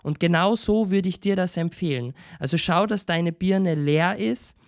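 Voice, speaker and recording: Österreichischer Mann, Motivationsredner, direkte lockere Ansprache, erzählend. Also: male voice, high voice, a little slow. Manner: direct, addresses listener as du, conversational. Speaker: motivational speaker, podcast host. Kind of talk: motivational monologue with storytelling.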